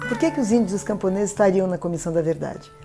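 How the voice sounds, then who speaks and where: A woman's voice: mid-range voice, rapid-fire, over loud music. A Brazilian woman speaking as an expert in an interview, explaining and checking that the listener follows. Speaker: expert commentator.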